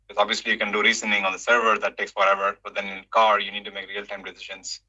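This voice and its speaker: Male tech lead, lowish pitch, rapid and choppy with repeated words, casual explanation, muffled conference-call sound. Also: monotone, bright, forceful tone. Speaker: company engineering leader answering questions. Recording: dull lo-fi conference call audio.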